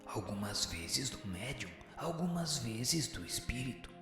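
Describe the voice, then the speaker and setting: A man with a Brazilian accent voicing a solemn, wise spirit who teaches in measured answers in a radio drama. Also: medium pitch, sing-song. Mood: solemn, instructive. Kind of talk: scripted radio drama dialogue. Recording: cavernous echo, long reverb, music underneath. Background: music.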